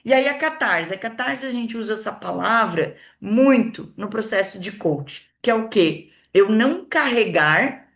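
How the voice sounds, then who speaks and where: With a fairly high pitch and a slightly slow pace, hardly pausing, a Brazilian woman coaches a women's group in a motivational talk. This communication mentor has a Brazilian Portuguese accent and alternates calm, steady explanation with emphatic lines, varying her volume loud and soft on purpose.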